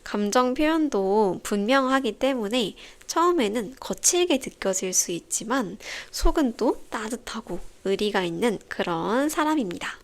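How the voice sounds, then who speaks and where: A young woman hosting a podcast for language learners, explaining in a calm, clear, carefully paced scripted way. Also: a little high, a little slow, few pauses. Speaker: Korean teacher podcast host.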